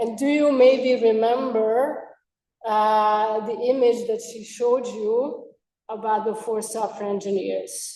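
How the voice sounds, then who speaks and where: A woman with a Hungarian accent speaks very slowly in a fairly high, dark and mellow voice, her intonation flat and monotone, with audible room echo. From Hungary. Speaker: computer science researcher. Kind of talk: seminar talk. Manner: halting, many fillers.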